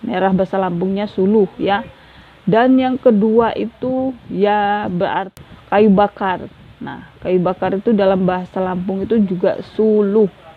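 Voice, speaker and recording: A woman's plain, everyday voice at a medium pitch, fairly slow in pace and fairly even in intonation. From Lampung, Indonesia. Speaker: language teacher. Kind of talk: language lesson.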